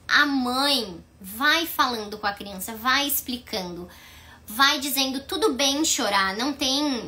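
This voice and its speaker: A woman's voice: sits high, sharp tone. A woman, giving a conversational psychology lesson and putting rhetorical questions to her listeners. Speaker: psychology instructor. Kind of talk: explanatory lecture.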